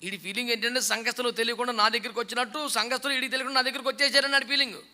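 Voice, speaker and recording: A man's voice: very high voice, steady tone, racing, pushed and bright. A man preaching a sermon in a scolding, mocking way, often acting out the people he quotes. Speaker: pastor. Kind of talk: fiery sermon.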